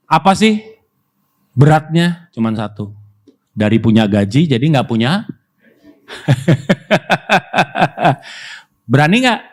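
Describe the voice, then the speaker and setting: A man pastor preaching a sermon in a lively, conversational way, calling out to his congregation. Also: fairly low pitch. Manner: lively, conversational preaching with audience call-outs.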